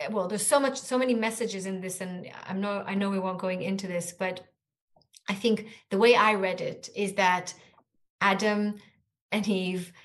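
A woman's voice: mid-range voice, a bit bright. A woman whose first language is Hebrew, a guest author speaking earnestly and reflectively in a podcast interview, with frequent restarts.

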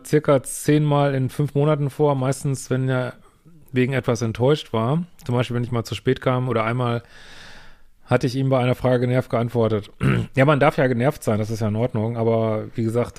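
A man's voice: mid-range voice, steady tone, normal speed, a little mellow. Sarcastic German man reading a letter. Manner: sarcastic, exasperated asides with frequent "ey". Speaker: couples therapist and podcast host. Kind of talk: reading a viewer's email aloud with commentary.

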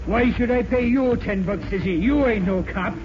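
A man's voice: high-pitched, normal speed, crowd noise, close to an everyday voice. A man playing a boastful, dim-witted city detective in a 1940s radio drama, bragging in ungrammatical slang. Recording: dull, noisy old 1940s radio recording.

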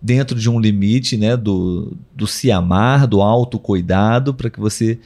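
Mellow man hosting a podcast. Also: lowish voice, measured pace. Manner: relaxed, many "né?" tags, reads viewer comments. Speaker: podcast co-host. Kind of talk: casual live podcast chat.

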